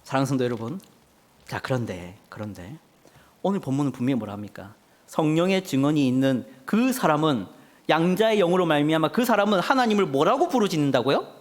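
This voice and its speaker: A man's voice: fairly high pitch, animated, brisk, long reverb tail. A man preaching a sermon, asking the congregation rhetorical questions and acting out a child crying for his parents.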